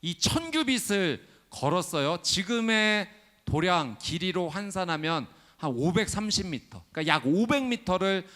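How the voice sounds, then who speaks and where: Man preaching a sermon, lively pitch, fairly high voice, acts out dialogue. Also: normal speed. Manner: animated preaching, acts out dialogue, builds to loud declarations. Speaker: pastor.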